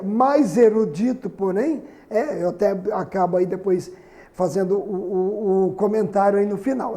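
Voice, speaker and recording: A man's voice: high voice, warm tone. A Brazilian man teaching a recorded grammar lesson, chatty, with frequent tag questions and fillers. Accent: Brazilian Portuguese.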